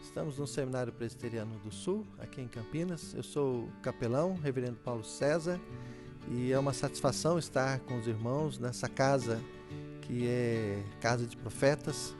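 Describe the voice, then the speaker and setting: A man, a seminary chaplain and pastor, addressing viewers formally with occasional filler pauses. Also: medium pitch. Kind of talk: prepared address to camera. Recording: guitar music under the voice. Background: clear guitar music.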